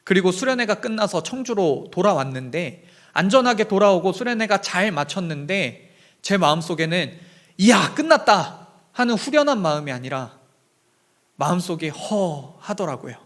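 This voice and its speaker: A young man preaches a Sunday sermon in a church with a fairly high voice. He tells stories earnestly and tenderly, speaking straight to his congregation. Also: animated, normal speed. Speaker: pastor. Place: church sanctuary.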